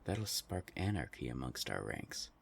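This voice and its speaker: A very low, husky voice with a heavy rasp , acted by a man, belonging to a centuries-old vampire in an audio drama. The vampire is theatrical and condescending, taunting with smug, polished menace. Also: very animated, unhurried, exaggerated voice. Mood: sly, matter-of-fact.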